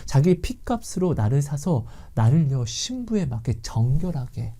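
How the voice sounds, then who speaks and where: A woman delivers a sermon with a warm, mellow voice. Her pitch swings widely as she moves between soft, hushed passages and sudden loud bursts. She acts out imagined conversations as she preaches. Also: big pitch swings, a little slow. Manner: dramatic, swings from hushed whispers to loud outbursts. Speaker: Christian speaker sharing faith teaching.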